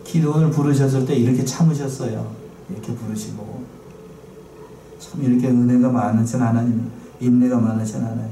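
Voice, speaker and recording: A man's voice: mid-range voice, fairly even intonation, brisk, warm tone. A male pastor preaching a sermon in a church, often putting questions to the congregation and repeating key phrases. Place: church sanctuary. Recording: roomy, distant, faint noise.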